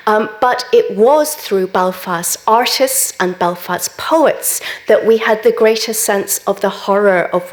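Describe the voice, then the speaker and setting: A middle-aged woman gives a public lecture as a gallery director, speaking in a measured way with frequent ums and repeated "very, very". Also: mid-range voice. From Northern Ireland.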